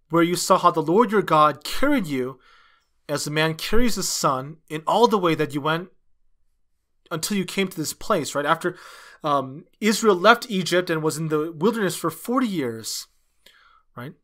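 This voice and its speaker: Male sermon interpreter, slightly high-pitched, halting phrase-by-phrase preaching delivery. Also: bright, forceful tone. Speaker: interpreter dubbing a pastor's sermon.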